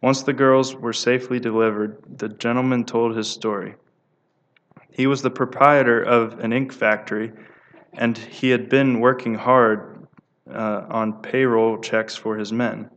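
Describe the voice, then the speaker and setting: A man giving a devotional talk who reads prayer stories aloud at a steady pace, with small stumbles and restarts. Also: medium pitch, a little slow, muffled recording.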